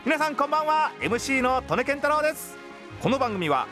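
A young man hosting a radio talk show from a studio mic, energetic and chatty. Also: very high voice, a little fast, over music. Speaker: radio host. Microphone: studio mic on boom arm.

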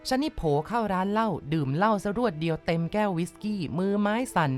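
A woman narrating a ghost story in a measured, dramatic storytelling manner. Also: mid-range voice, faint music behind.

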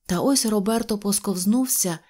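A woman reading an audio fairy tale in an expressive storytelling manner. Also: medium pitch, normal speed. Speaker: narrator.

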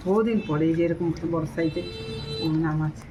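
A woman's voice: low voice, fairly quick. A middle-aged woman chatting casually to viewers, repeating herself as she explains her cooking. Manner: repetitive, explaining each step to viewers. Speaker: home cooking vlogger. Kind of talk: casual vlog chat. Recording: noisy home recording with ambience.

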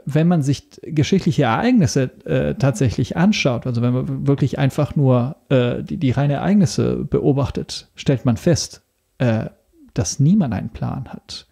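Hesitant man with a mellow voice. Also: mid-range voice, creaky. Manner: hesitant, searching for words, with many pauses. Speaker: podcast guest, radio drama maker. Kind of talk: casual podcast interview.

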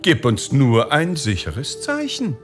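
A man voicing a shrewd, scheming wife who keeps asking her husband about their debts, in a high, mock-sweet voice. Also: wildly swooping pitch, slow, music in the background. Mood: wheedling.

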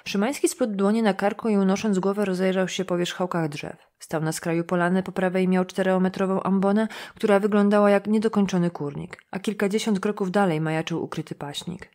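A woman reading a novel aloud as an audiobook narrator, in steady, even storytelling. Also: mid-range voice, fairly quick, few pauses.

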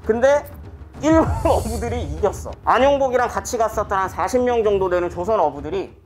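Woman teacher, history lesson for children, animated storytelling, classroom, quizzes the class. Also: medium pitch, fairly quick, a little hiss or hum. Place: school classroom.

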